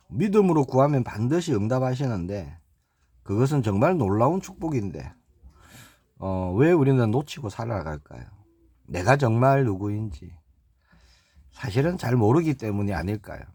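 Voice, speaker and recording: A man with a dark, mellow tone and medium pitch speaks at a moderate pace, his pitch swinging very widely, with long, frequent pauses. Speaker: pastor. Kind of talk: sermon.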